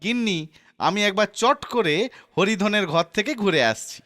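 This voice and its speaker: A man's voice: high voice, expressive, normal speed. A man voicing a witty, sly middle-aged village jester in a children's cartoon, with a teasing, theatrical delivery. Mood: playful, coaxing. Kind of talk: Bengali children's cartoon voice acting. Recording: loud music behind the voice.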